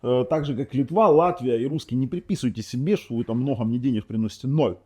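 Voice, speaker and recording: A tech reviewer whose native tongue is Ukrainian demos a TV box casually and ramblingly, often correcting himself and tossing in sarcastic asides. His mid-range voice is darkish and slightly rough, and he talks quickly.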